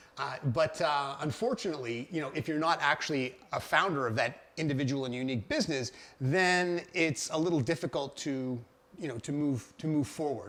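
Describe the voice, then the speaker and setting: A man with a Montreal accent, a fairly high pitch and ordinary pitch variation, at a fairly quick pace. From Montreal, Quebec. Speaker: real estate investor, former restaurateur. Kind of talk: interview conversation.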